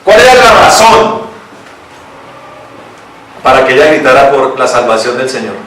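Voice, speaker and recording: A male pastor from Colombia preaching a lively sermon, asking questions of the congregation and reading scripture aloud. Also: mid-range voice, moderate pace, noisy background. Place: church hall. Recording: echoey church hall, mic from a distance.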